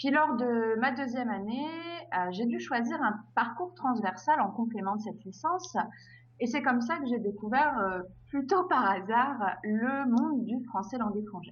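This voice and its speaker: A woman speaks at a fairly high pitch with lively intonation and a fairly slow pace. Audible room echo surrounds her voice. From France. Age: 20s. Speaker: French teacher. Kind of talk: interview. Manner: hesitant, with fillers.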